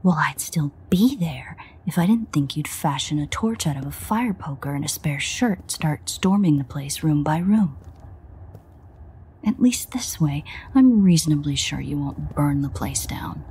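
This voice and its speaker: A woman playing a sardonic, exasperated vampire in an audio roleplay, grumbling and swearing in a husky near-whisper. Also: sits low, lively intonation, unhurried, darkish tone, exaggerated voice. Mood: weary, grumbling. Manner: sarcastic, profane, grumbling. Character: sardonic, exasperated female vampire, reluctant ally. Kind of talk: audio roleplay addressed to the listener.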